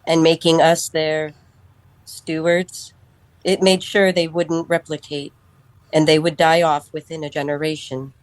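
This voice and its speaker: An actress voicing a calm, literal-minded female android who served as a household steward, speaking in a measured, matter-of-fact way. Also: sits low, no echo. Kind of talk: radio drama acting.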